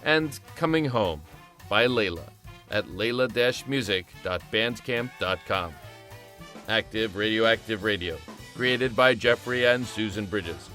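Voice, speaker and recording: A man's voice: fairly low pitch, a little slow, pushed and bright. A man reading scripted audio drama credits as an announcer. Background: faint music.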